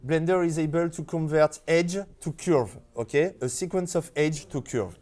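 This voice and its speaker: Bilingual man teaching a software class. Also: on the high side, measured pace. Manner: switches between French and English, checks on the class often. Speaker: 3D software instructor. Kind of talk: live classroom software tutorial. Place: classroom with audience.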